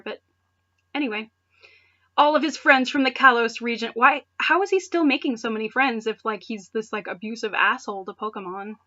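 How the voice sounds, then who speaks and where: In a muffled recording, a woman with a bright, pushed, mid-range voice reads amateur fan fiction for videos in a mocking, dramatic way. She keeps breaking off for casual, sarcastic commentary.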